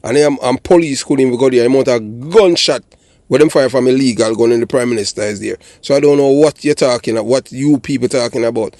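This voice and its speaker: A man's voice: mid-range voice, quick pace, a little mellow, no room sound. Blunt older Jamaican man, dry sound. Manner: blunt, emphatic, often checking with "you know" and "you understand". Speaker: channel host and commentator, former police officer. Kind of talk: political commentary monologue.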